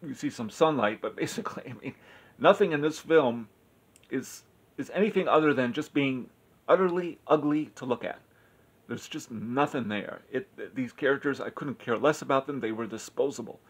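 Gravelly guy rambling thru a movie review, lots of uhs and restarts. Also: medium pitch. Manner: rambling, halting, with frequent self-corrections and filler. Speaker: film reviewer. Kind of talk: casual spoken movie review.

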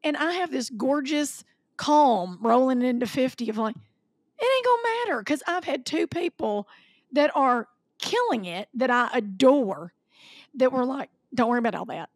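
A late-forties woman with a drawl, co-hosting a chat show over a video call from home. She talks in a gushing, animated way, laughs often, and sometimes jumps up high while acting out what people said. Her voice comes across dry and close, with no room sound. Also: moderate pace, no echo. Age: 40s. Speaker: podcast co-host. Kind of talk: casual chat.

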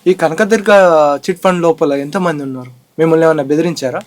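A man's voice: fairly high pitch, quick pace, a little mellow, dry recording. A man working as a news reporter, asking short, probing interview questions.

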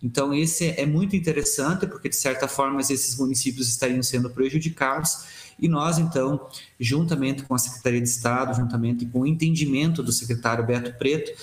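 Man speaking officially in an echoey office. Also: medium pitch. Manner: measured official tone with fillers. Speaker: municipal health secretary. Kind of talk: news interview statement. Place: small office indoors. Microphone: webcam on video call.

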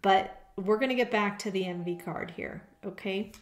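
A woman's voice: mid-range voice, moderate pace. A woman giving a tarot card reading to her viewers in a casual way, often stopping to check in with "okay?". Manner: conversational, frequent "okay?" check-ins. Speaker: tarot reader. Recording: echoey room.

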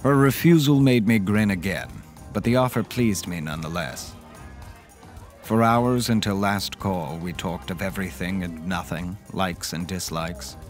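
An actor playing a smitten, gentlemanly man recounting a dark horror romance in an audio drama. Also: low voice, a little slow, faint music behind. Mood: wistful, sensual. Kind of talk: dramatic first-person audio drama narration.

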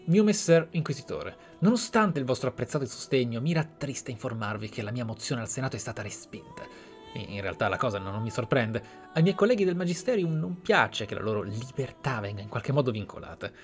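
A man's voice: medium pitch, very animated, a little fast, faint music behind, close to an everyday voice. A man voicing an eloquent, defiant noble mage from a fantasy game in a florid, formal manner. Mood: formal, grateful. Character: eloquent, theatrical, defiant Tevinter magister noble.

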